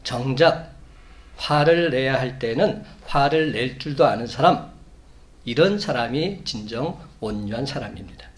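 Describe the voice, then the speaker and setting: A man preaching a Sunday sermon as a pastor, measured, building to emphatic peaks. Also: mid-range voice, animated. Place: church sanctuary.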